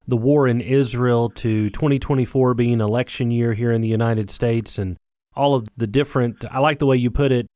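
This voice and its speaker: A man's voice: mid-range voice, fairly even intonation, normal speed, mellow, no room sound, studio quality. A man hosting a Christian radio program, announcing in a friendly, scripted way. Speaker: radio ministry host.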